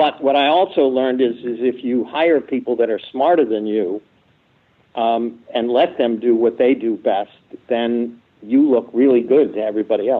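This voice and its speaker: A man speaks in a normal speaking voice. His pitch sits in the medium range with ordinary variation. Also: moderate pace. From US, Buffalo New York. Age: 60s. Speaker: television writer and producer. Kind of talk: interview conversation.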